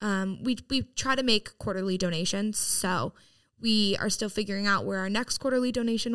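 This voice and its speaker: In a normal speaking voice, a woman with an American accent speaks at a medium pitch with fairly even intonation on a very clean recording with a silent background. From US Mid-Atlantic (Bethesda, Maryland). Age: 20s. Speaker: nonprofit founder and university student. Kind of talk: casual interview.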